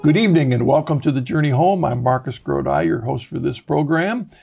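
A man's voice: fairly high pitch, a little fast, vocal fry, darkish tone, faint music behind. A man hosting a talk show, chatting loosely and correcting himself as he goes. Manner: rambling, self-correcting. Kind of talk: conversational interview.

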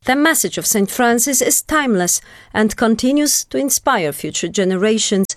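A woman's voice: a little high, lively intonation, normal speed. A woman reading a scripted television news report as a correspondent.

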